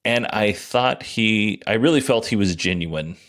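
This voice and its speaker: A man's voice: lowish voice, a little slow, a bit bright. A man giving casual, informal solo commentary as a podcast host, thinking aloud.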